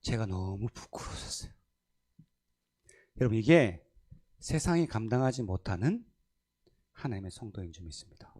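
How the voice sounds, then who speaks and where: A man's voice: fairly low pitch, moderate pace, pauses often. A male pastor preaching a sermon in a church, telling stories and acting out the voices of people in them. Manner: animated, acts out quoted voices, laughs often. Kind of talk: sermon with storytelling. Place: church sanctuary.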